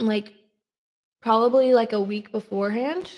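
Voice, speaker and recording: Ordinary pitch variation at a fairly slow pace. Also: woman. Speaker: fanfiction writer and streamer. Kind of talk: casual live stream chat. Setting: live stream. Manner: halting, many fillers and restarts.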